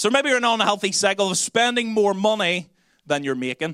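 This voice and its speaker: A man with a Belfast accent speaks at a fairly quick pace in a high, bright, sharp voice with very wide pitch swings, the sound dry and close with no echo. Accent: Belfast (Northern Irish). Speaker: pastor. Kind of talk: sermon. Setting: church with live audience and online stream.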